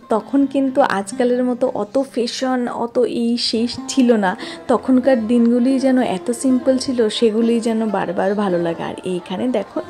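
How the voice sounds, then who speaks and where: A young woman narrates her vlog. She chats in a friendly way, speaking straight to her viewers. Music plays softly behind her. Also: a little high. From Tripura, India. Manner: friendly, addresses viewers directly. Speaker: vlogger. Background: background music.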